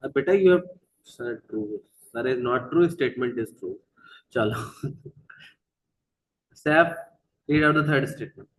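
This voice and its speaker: A man with a South Asian accent leads an interactive online lesson, prompting pupils with short questions and switching between English and Hindi. His mid-range voice is animated, with a moderate pace and long pauses, in a rough recording.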